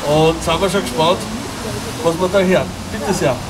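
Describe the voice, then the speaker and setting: A middle-aged man moderates an outdoor rally, announcing speakers into a handheld mic with hesitant pauses. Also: a little high. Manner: hesitant, fills with äh. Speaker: event moderator. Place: outdoor city square. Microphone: handheld mic, filmed from afar. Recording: distant with outdoor street noise.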